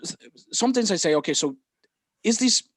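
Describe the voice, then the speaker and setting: Excited Galician man, halting restarts. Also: high-pitched, no room sound. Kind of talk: casual podcast chat.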